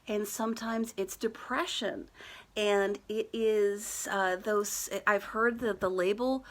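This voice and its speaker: A woman coach giving a gentle, reassuring talk on tapping for stress, speaking conversationally with frequent filler words. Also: mid-range voice, fairly even intonation, slow. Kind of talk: guided wellness talk to a live online audience.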